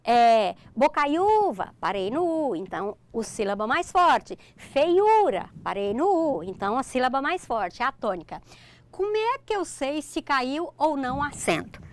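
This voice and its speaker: A woman's voice: sits high, very animated, moderate pace. A middle-aged Brazilian woman with a Brazilian Portuguese accent, teaching a recorded online grammar lesson. She explains step by step and keeps checking in with "ok?".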